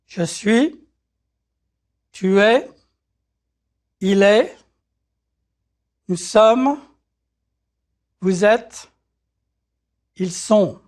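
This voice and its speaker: Language lesson voice, very slow drills, careful articulation, animated pitch. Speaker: French pronunciation model speaker.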